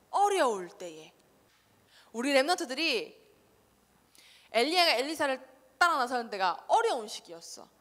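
Woman children's preacher, high and lively, quizzing the kids, long church-hall reverb. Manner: animated, quizzes listeners with rhetorical questions. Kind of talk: casual sermon to children. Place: church sanctuary.

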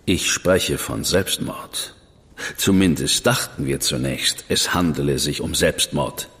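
An actor playing a reserved, measured investigator in a radio drama. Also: male voice, rumbling low, fairly bright tone, full character voice. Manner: measured, dry, withholding. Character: cool, reserved male investigator, brother of a famous detective. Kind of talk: German radio drama acting. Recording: long reverb with music behind.

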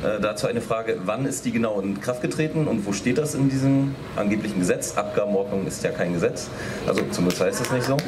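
A man's voice: lowish voice, fast. A man in the audience asking legal questions at an outdoor rally, hesitant and full of fillers. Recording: outdoor rally with background noise.

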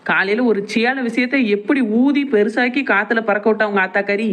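Quick, needling village woman. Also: on the high side, fairly bright tone. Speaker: cartoon daughter-in-law character voice. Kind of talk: Tamil cartoon voice acting.

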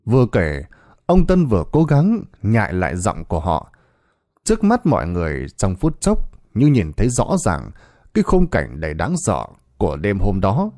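A man narrating a scripted horror story in a dramatic, expressive way. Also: on the low side, moderate pace, no echo, studio quality.

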